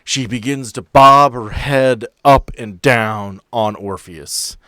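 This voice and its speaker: A man's voice: medium pitch, slow, pushed and bright, dry recording. A man working as game master, narrating the action and addressing players directly in a conversational way. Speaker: game master of a tabletop role-playing podcast.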